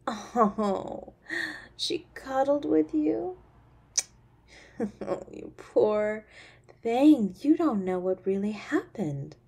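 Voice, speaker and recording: A woman's voice: on the high side, expressive, extremely slow, gravelly, long pauses, mellow, slightly rough, heavily acted. A woman playing a cruel, imperious centuries-old succubus mother in a scripted audio roleplay, mocking and menacing. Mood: mocking, condescending.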